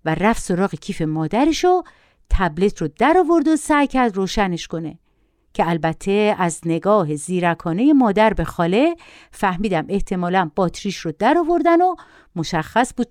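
A woman's voice: medium pitch, expressive, darkish tone, no echo, studio quality. A middle-aged woman narrating a personal story in the first person with vivid expression.

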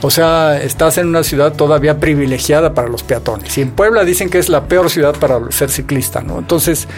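A man's voice: fairly high pitch, a little fast. Guy cohosting a podcast, chatty and jokey, light music in back. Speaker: podcast co-host. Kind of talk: casual conversation.

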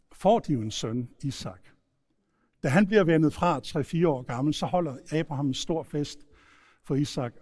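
A man preaching a sermon, retelling stories in a lively storytelling manner. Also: fairly high pitch. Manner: storytelling, animated retelling with shouted quotes. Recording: long hall reverb.

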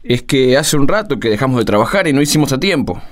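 An actor playing a touchy carpenter in a radio play, with a Rioplatense Spanish accent. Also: male voice, medium pitch, very animated, fast, natural voice. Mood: friendly. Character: male carpenter in a neighbourhood work group, touchy. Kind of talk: radio play acting, conversational.

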